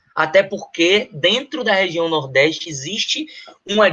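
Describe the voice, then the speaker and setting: The man's pace is fairly slow. His pitch shifts in an ordinary way. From Bahia, Brazil (Salvador). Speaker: cordel poet and workshop teacher. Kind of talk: online workshop talk. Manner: halting, many fillers.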